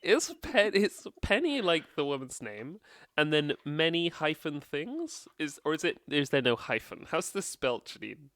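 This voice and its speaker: A woman's voice: deep voice, measured pace, dry recording, studio quality. A woman chatting casually and playfully while playing a tabletop game on a live stream. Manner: animated, playful questions.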